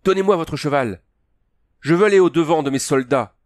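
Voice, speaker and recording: A man's voice: fairly high pitch, a little slow, warm tone, dry recording, clean studio sound, pitched above the performer's own voice, lightly acted. A man doing a commanding royal woman. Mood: urgent. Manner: imperious, insistent pleading. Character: proud young royal woman, commanding and urgent.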